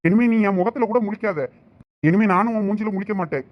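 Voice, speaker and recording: A man's voice: high voice, quick pace, lo-fi sound, close to an everyday voice. A man voicing a loyal, hot-tempered young male friend in a cartoon, with a Thoothukudi Tamil accent. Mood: urgent. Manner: scolding, pleading with his friend. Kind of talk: cartoon voice acting.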